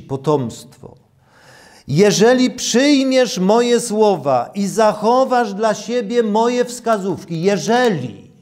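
A man in his sixties preaching a sermon and reading scripture in a deliberate, emphatic way, repeating key phrases. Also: high-pitched, darkish tone. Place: small church room, at a lectern.

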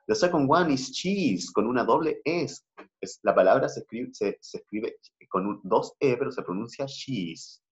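A man's voice: medium pitch, animated. Chilean male teacher on a video call. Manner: switches between slow English and Spanish explanations. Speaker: English teacher. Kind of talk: online class teaching. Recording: muffled video-call audio.

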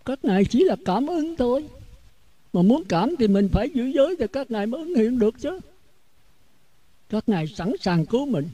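A man's voice: extremely high pitch, big pitch swings, moderate pace, long pauses, mellow, dry recording, muffled recording. A Buddhist monk with a Southern Vietnamese accent giving a blunt, outspoken sermon, often repeating words as he searches for the next one.

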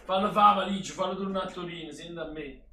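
Excitable young man, roomy off-mic sound. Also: sits high, fast talker, far from the mic, a crowd in the background. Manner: excitable, erupts into shouts at big plays. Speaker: streamer hosting a match reaction. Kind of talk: casual live-stream commentary. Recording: roomy and off-mic, faint background hum.

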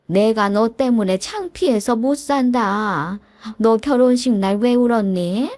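Woman narrator doing a stern middle-aged mother-in-law, reproachful, mellow dark tone, dry sound. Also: fairly high pitch, measured pace, dry recording, lightly acted. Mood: scolding. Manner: reproachful, sharp questioning.

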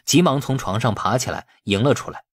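A man's voice: medium pitch, a little fast, breathy edge, no room sound, clean studio sound. A man reading a novel aloud as scripted, dramatic audiobook narration.

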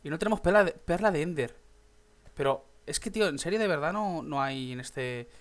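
Excitable young gamer, higher voice. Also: male voice, brisk. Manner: chatty, swears, bursts into excited shouts. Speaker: gaming YouTuber. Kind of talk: casual gameplay commentary.

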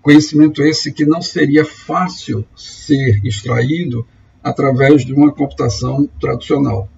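A man's voice: mid-range voice, moderate pace, darkish tone, a little hiss or hum. A man giving a lecture over slides, explaining step by step and often restarting words. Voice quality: husky, gravelly. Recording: dull lo-fi recording.

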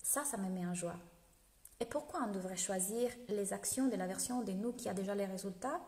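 A woman's voice: mid-range voice, fairly quick, darkish tone. A woman in her thirties with an Italian accent, a business coach talking live to her followers on a phone held at arm's length at home, laughing often and greeting viewers as she goes. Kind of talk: live video talk to followers. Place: home room indoors. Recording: echoey room with long reverb.

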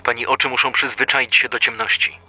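Guy voicing a steady 911-type dispatcher in an audio drama, bright crisp voice. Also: medium pitch, brisk. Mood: calm. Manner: calm, formal, insistent. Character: calm male emergency dispatcher on the phone.

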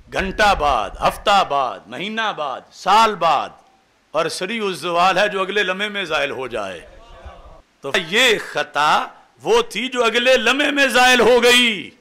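Middle-aged guy preaching into a desk mic, high bright voice, really lively, gets shouty on the big points. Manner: emphatic, gesturing, rising to shouts on key phrases. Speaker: religious scholar. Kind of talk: theological lecture to a seated gathering. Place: studio set with a seated audience.

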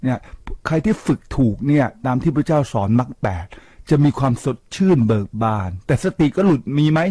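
Using a voice on the high side at a fairly quick pace, an older man hosts a radio talk show and lectures his audience. He's lively and preachy, leaning on rhetorical questions and English words, and the studio-microphone recording is dry.

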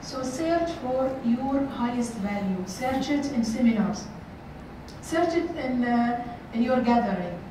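An earnest middle-aged woman gives a motivational workshop talk to youth in a large, echoey hotel conference room, her voice on the high side, animated and slow. She repeats phrases and uses many fillers, recorded by a far camera that makes the audio distant and noisy.

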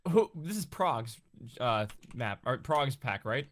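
A man's voice: medium pitch, sing-song, slow pace, a bit bright. A man co-hosting a gaming series, chatting casually and thinking aloud while he plays. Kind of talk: casual gameplay chat.

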